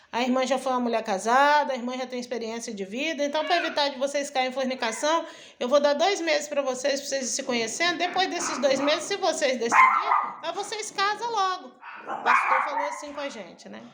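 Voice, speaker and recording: A woman's voice: sits high, a little fast, background noise. A woman missionary telling a personal testimony in a chatty way, stringing events together and acting out the dialogue in her own voice. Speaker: missionary and preacher.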